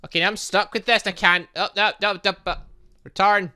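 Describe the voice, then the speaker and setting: A gaming video host giving excitable, rambling let's play commentary, often breaking off mid-sentence with mild exasperation. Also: medium pitch, brisk, smooth.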